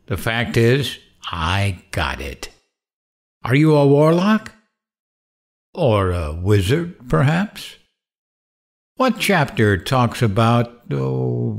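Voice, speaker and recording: A man playing a mad, grieving radio host out for revenge in an audio drama, taunting in a theatrical, deliberate way. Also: mid-range voice, vocal fry, exaggerated voice. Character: mad, vengeful, grieving male late-night radio host. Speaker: radio show host character.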